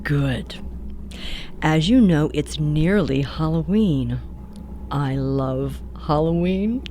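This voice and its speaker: A woman's voice: sits low, lively intonation, dark tone, slight background noise. A woman playing an old grandmotherly hostess who tells spooky stories in a radio play, theatrical, doting and sinister. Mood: sweetly menacing. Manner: theatrical, drawn-out, cooing.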